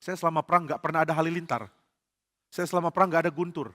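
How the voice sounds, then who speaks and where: A man's voice: on the high side, fairly even intonation, rapid-fire, a bit bright, lightly acted. A pastor playing jealous, scheming King Saul. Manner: shifts from sly sweetness to whiny spite. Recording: church hall reverb.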